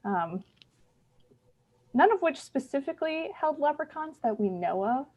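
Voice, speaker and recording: A woman's voice: sits high, sing-song, unhurried, darkish tone, highs cut off. Wry young woman telling a story. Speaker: improv monologist. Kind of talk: comic storytelling monologue. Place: theater stage.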